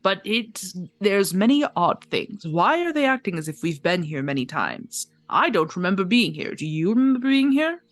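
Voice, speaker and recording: Tabletop player in character, bright lively voice, blunt, dry close mic. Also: mid-range voice, normal speed, few pauses, no room sound.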